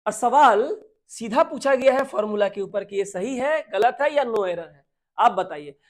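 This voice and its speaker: With lively intonation and a high pitch, an Indian-accented man teaches exam-prep grammar. He asks his students questions, goes over points again, and slowly reads English sentences aloud word for word.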